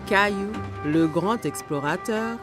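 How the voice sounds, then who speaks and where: A woman's voice: medium pitch, slow, music in the background, natural voice. A woman reading scripted children's story narration as the storyteller of a cartoon.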